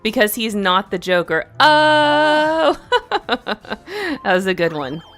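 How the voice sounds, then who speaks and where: A woman with a Southern US accent giving casual, playful commentary as she plays a video game, reacting out loud and laughing easily. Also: mid-range voice, very animated, slow pace. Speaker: let's play streamer. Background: faint game music.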